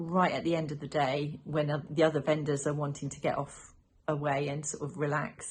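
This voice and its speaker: Against a quiet background, a woman with a Cornish accent talks at a fairly quick pace, her very deep, low pitch somewhat breathy. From Cornwall, England. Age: 60s. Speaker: knitting vlogger and yarn business owner. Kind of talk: casual talk to camera.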